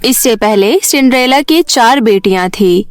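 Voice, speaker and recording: A woman's voice: fairly high pitch, expressive, measured pace, no room sound, soft background music. A woman giving scripted narration for a children's story as the narrator.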